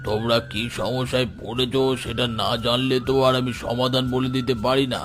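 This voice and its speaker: A man voicing a grave Hindu ascetic in an animated horror story, speaking in a solemn, deliberate manner. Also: mid-range voice, natural voice. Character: grave male Hindu ascetic who performs exorcism rites. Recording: loud music under the voice.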